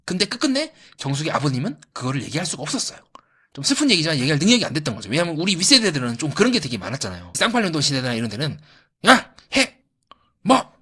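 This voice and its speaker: Fast, husky man analyzing a dating show. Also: a little high. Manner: asks rhetorical questions and answers them; lively, acts out quoted voices. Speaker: YouTube psychoanalysis commentator. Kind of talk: analytical commentary on a reality show.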